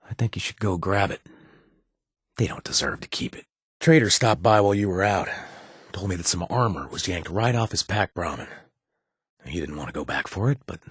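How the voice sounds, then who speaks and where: Husky, wry ex-gang bartender Beckett. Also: male voice, sits low, dry recording, clean studio sound. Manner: joking and conspiratorial, laughs often. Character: wry adult male bartender, ex-gang member. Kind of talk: video game voice lines.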